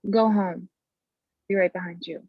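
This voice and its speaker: An actress plays a protective woman, steady and commanding, with a gravelly creak in her voice. It is a drama table read with a dry, slightly dull sound. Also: fairly low pitch, a little slow, no echo. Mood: firm, urgent. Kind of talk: screenplay table read acting.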